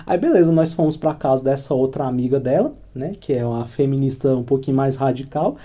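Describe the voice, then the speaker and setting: A man's voice: medium pitch, brisk, warm tone. A Brazilian man telling a crude, rambling personal story in casual slang as the host of his channel. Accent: Brazilian Portuguese.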